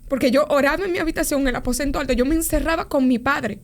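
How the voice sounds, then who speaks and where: A woman, speaking in a fairly high voice. She tells her story of faith as a guest in a casual chat, slangy and animated, often repeating words as she goes. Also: fast. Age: 40s. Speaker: podcast guest.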